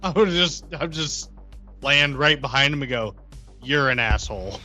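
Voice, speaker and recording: A man talks casually as a tabletop game player, blunt and joking. His voice is bright and forceful at a middle pitch, with light music behind it. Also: lively intonation, normal speed. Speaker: podcast player. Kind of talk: casual tabletop role-playing talk.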